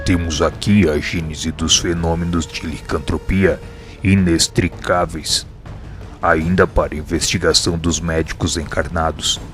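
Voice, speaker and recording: A man playing a wise, grave spirit mentor in a radio drama, speaking in a measured, didactic way. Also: sits low. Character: wise, grave male spirit mentor teaching his pupil.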